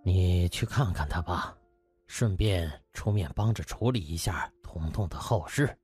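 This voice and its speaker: A man's voice: low voice, a little slow, darkish tone, husky, faint music behind, pitched below the performer's own voice. A man voicing a world-weary, stern old husband in a dramatised audiobook. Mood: somber, weary.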